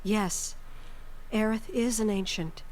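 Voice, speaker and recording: An actress playing a weary middle-aged mother in a video game, guarded and caring, speaking in a measured, hushed way. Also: mid-range voice, steady tone, lightly acted. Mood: reflective, guarded.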